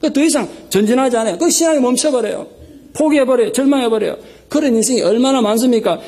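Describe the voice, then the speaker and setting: A male pastor delivers a Sunday sermon in a high, husky voice at a quick clip. He preaches with emphasis and acts out desperate prayers and stern rebukes in raised tones. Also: animated, a little mellow. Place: church sanctuary. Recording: live sermon recording.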